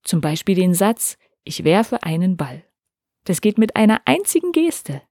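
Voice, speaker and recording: Gentle woman reading a story aloud. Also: medium pitch, big pitch swings, measured pace, no room sound, clean studio sound. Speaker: narrator. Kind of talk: scripted storytelling for children.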